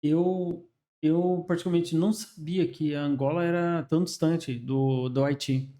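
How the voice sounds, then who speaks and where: Brazilian male podcast host, a bit high-pitched, chatty and curious. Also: steady tone, a little slow, mellow. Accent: Brazilian Portuguese. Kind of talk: conversational interview.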